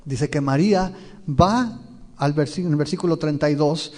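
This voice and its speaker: A man preaches a verse-by-verse Bible sermon in a somewhat high, mellow voice. He keeps turning to his listeners with questions and tells the scenes vividly. His voice rings with the long reverb of a large church hall. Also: normal speed. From Mexico. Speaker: pastor.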